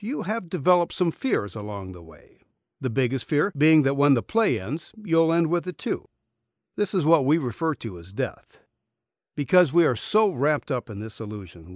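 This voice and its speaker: A middle-aged man reading a spiritual essay as an audiobook narrator, earnest and deliberate, close on a studio microphone in a small booth. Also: on the high side, no echo. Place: small dim recording booth. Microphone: studio condenser microphone, close.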